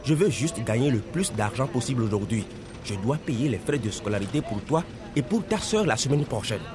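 An actor playing a hurried, money-driven minibus driver and father in a radio drama, impatient and barking orders. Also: mid-range voice, very animated, crowd noise, natural voice. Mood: explaining.

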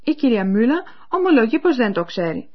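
A woman presenting a radio language course, explaining clearly and speaking to listeners in scripted educational narration. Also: fairly high pitch, sing-song. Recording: dull lo-fi radio recording.

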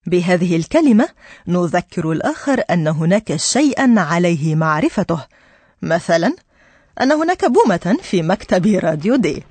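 A woman teaching a radio language lesson, explaining patiently and clearly to her listeners. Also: fairly low pitch, very animated, normal speed, a little mellow, no echo.

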